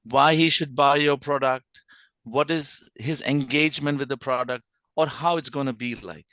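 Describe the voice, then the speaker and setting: A hoarse man giving impromptu remarks as a member of an online meeting. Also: medium pitch, fairly even intonation, moderate pace, bright, forceful tone, dry recording. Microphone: video call.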